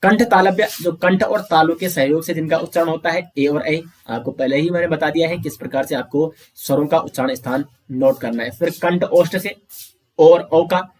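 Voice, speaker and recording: A man with a somewhat high voice teaches an online grammar lesson. He works through the material step by step, asks questions and answers them himself, and calls the listeners his friends. When drilling pronunciation, he says each sound out slowly. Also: a little mellow. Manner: often addresses listeners as friends.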